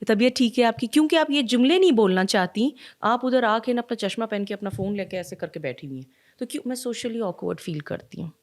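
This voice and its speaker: A middle-aged woman from Pakistan, a communication trainer, talking in an animated, story-driven way and slipping English phrases in. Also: fairly high pitch. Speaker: communication trainer and guest speaker. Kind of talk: conversational podcast interview.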